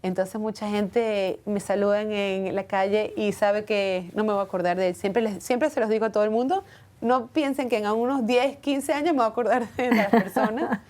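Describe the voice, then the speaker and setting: A woman's voice: medium pitch, fairly even intonation, normal speed, darkish tone. A woman speaking earnestly and reflectively as a guest in a personal interview. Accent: foreign accent when speaking Hebrew. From from outside Israel.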